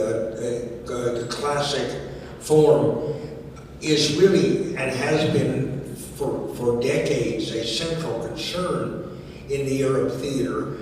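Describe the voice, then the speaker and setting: Slow, halting man moderating a panel. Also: medium pitch, a little hiss or hum. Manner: measured, halting, many fillers. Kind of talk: panel discussion. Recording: echoey hall, distant mic.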